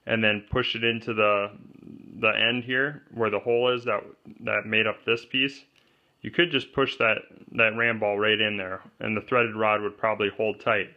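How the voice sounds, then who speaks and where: Through a muffled recording, a mid-range male voice plainly explains a homemade camera pole build step by step, pointing out each part as a DIY kayak gear presenter. He's off-camera, narrating over an overhead view of his hands at a wooden table inside.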